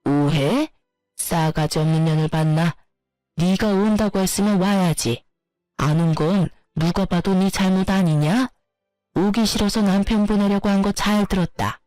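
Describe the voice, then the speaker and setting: A woman's voice: mid-range voice, a little slow, warm tone, no echo, soft background music, natural voice. Casting: a woman doing a harsh, insulting older mother-in-law in a dramatized story; close, dry delivery. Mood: berating. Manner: scolding, insulting, berating.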